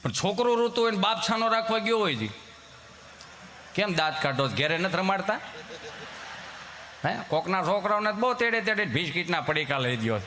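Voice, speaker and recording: A man tells a folk comedy monologue to a live audience, slipping into the voices of his characters. His voice sits high and bright. A faint hiss runs under the recording. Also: animated, brisk, pauses often, long reverb tail.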